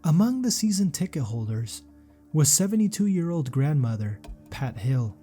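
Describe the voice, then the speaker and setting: A man reading a scripted sports documentary narration in a measured, serious way. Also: a little high, sing-song, dark tone, soft background music.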